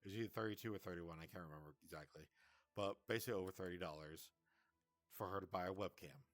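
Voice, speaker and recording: A man's voice: sits low, fast, a bit bright, no room sound. A man casually recounting a breakup in a vlog, hesitant and rambling, often stammering and restarting.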